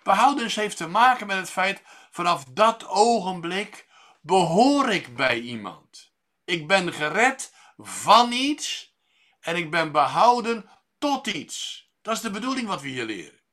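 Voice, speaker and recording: Bright-voiced preacher, measured and pausing. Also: male voice, high-pitched, very animated. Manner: measured, pausing with fillers and restarts. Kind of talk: sermon.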